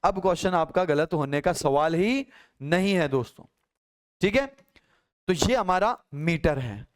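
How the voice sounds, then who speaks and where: Man, English teacher, Hindi-accented English, high voice, smooth clear tone, explains step by step. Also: animated, measured pace. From Rajasthan, India. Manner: explains step by step, counting on, checking understanding. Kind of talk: classroom lecture.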